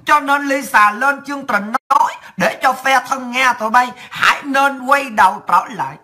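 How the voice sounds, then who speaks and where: Fiery high-voiced Southern Vietnamese woman. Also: moderate pace, pushed and bright. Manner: heated, sarcastic, coarse ranting. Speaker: political commentator. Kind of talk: political rant vlog.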